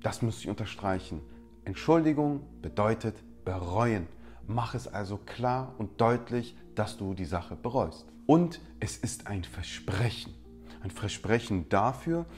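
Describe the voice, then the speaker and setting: A man with a fairly low voice explains common mistakes in a straightforward instructional talk. He addresses the viewer directly and slips into short acted example lines. Soft music plays quietly underneath. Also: animated, measured pace. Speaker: presenter of rhetoric tips.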